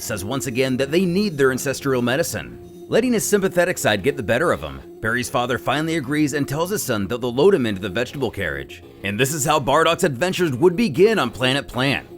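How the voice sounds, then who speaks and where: A man's voice: mid-range voice, a bit bright. A man narrating a dramatic story recap in a theatrical, suspenseful manner, with music playing behind him. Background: background music.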